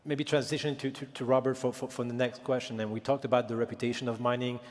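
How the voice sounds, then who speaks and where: A man moderating a panel, asking a question haltingly with many repeated words. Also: mid-range voice, little pitch movement. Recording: long reverb of a conference hall.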